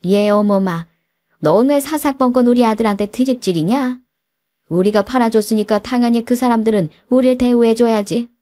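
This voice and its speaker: A woman's voice: a little high, normal speed, warm tone, no room sound, clean studio sound, voice pushed up, close to an everyday voice. A scolding, doting older mother-in-law, voiced by a woman. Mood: indignant. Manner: scolding, defensive of her son.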